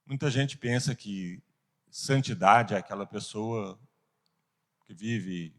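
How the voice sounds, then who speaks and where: Earnest low-voiced Brazilian man teaching. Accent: Brazilian Portuguese. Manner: earnest, rhetorical questions, slow emphatic pauses. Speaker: Sunday school teacher. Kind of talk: Bible class teaching.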